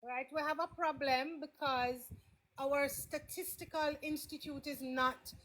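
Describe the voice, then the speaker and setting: A Jamaican woman on a remote call that keeps breaking up and cutting out, quizzing her host with emphatic, halting restarts on a political talk show. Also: sits high, fairly even intonation, a bit bright, poor audio. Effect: call audio breaking up and cutting out. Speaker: guest politician. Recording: broken-up remote call line.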